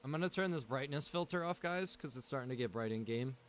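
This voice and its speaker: A man's voice: medium pitch, animated, fast talker, a little hiss or hum. Rambling man chatting to stream viewers. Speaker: livestreamer. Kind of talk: casual chat with stream viewers. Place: room at home with a window.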